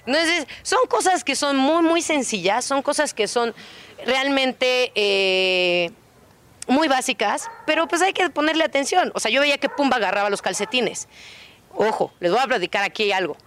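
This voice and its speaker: A woman's voice: sits high, animated, normal speed, fairly bright tone. A woman with a Mexican accent, a guest on a radio show, talking casually and animatedly about dogs and acting out little dialogues. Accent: Mexican Spanish. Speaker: dog daycare co-founder, guest.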